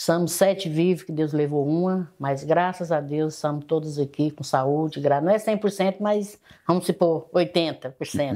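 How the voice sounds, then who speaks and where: A very deep, low woman's voice with a dark, mellow tone and hardly any pauses, in a very clean recording with a silent background. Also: ordinary pitch variation, moderate pace. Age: 60s. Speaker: local resident interviewed in documentary. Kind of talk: testimony.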